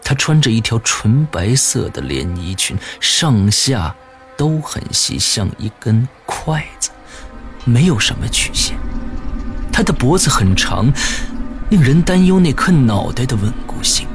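A man reading a horror story as the narrator, slow and suspenseful, with dramatic pauses. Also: mid-range voice, big pitch swings, music in the background.

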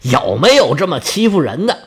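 A man's voice: on the high side, big pitch swings, moderate pace, a bit bright, breathy edge, heavily acted. A man voicing an aggrieved, boastful older sea god who grumbles about being bullied and blusters in defiance.

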